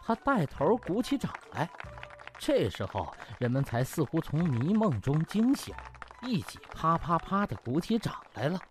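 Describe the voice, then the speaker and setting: Male narrator for a comic web novel, very animated delivery over music. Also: on the high side, normal speed. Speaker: audiobook narrator. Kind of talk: lively comic storytelling.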